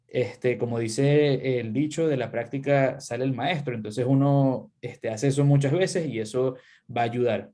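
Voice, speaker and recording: A young adult man talks through exam advice in a loose, conversational way, dropping fillers as he goes. His voice sits at an ordinary pitch with a dark, mellow tone. He sounds like a teacher chatting in an interview. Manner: relaxed, conversational, uses many fillers. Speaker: English teacher. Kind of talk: casual advice in a live interview.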